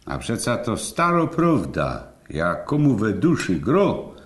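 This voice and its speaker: Older man, acted, Silesian accent, folksy teasing uncle, low pitch, very lively intonation, radio dialogue. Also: slow, heavily acted. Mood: musing. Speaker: host of a radio show. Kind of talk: scripted dialect radio dialogue.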